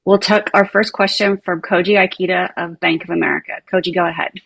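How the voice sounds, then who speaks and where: A woman's voice: lowish voice, fairly even intonation, brisk, creaky, a bit bright, husky, rough recording. A woman moderating a conference call question session in a polite, procedural manner. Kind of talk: scripted question-and-answer moderation.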